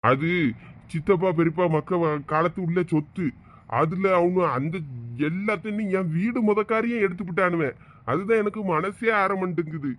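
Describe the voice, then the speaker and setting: Man as a tearful village uncle, high voice. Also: moderate pace, lightly acted. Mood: lamenting. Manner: tearful, lamenting. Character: ruined middle-aged village man, weeping uncle. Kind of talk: village comedy skit.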